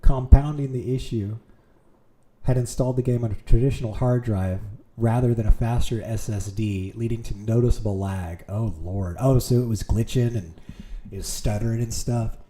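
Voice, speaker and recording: A man's voice: mid-range voice, fairly even intonation, normal speed, mellow, slight background noise. A man streaming from home, reading aloud with amused reactions, with keyboard clicks nearby. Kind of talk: casual streaming commentary.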